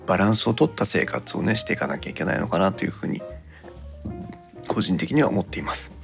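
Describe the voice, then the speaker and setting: A man's voice: low voice, animated, fast, creaky, faint music behind. A man co-hosting a podcast in casual conversation, encouraging and offering suggestions. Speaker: podcast co-host.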